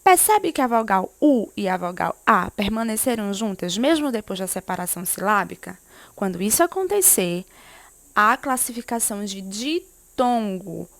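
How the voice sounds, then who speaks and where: A primary school teacher gives a remote lesson to young pupils, explaining things step by step and frequently asking them questions. Her voice is medium-pitched, with no echo.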